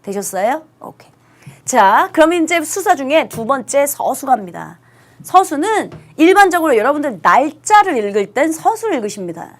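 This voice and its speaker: A woman teaching an online English lesson to high school students, speaking emphatically and stretching out stressed English words. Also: big pitch swings, moderate pace.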